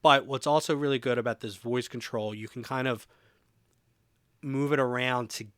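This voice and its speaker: A man giving a casual software walkthrough as a music production tutorial presenter, thinking aloud informally as he demonstrates. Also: mid-range voice, fairly even intonation, normal speed, clean tone, no room sound, studio quality.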